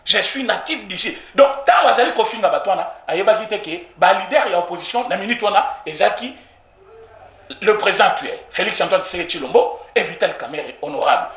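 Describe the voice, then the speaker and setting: A Congolese political commentator from the DRC speaks a little fast with a Congolese French accent, his high voice swinging widely in pitch. In a heated street interview he argues animatedly, switching between French and Lingala and repeating points for emphasis. The recording is echoey.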